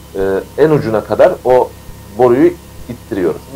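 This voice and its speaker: A man speaks at a fairly quick pace. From Hatay, southern Turkey. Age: 30s. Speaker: interventional radiologist. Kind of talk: live-stream interview, explaining. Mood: calm explanatory. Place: studio.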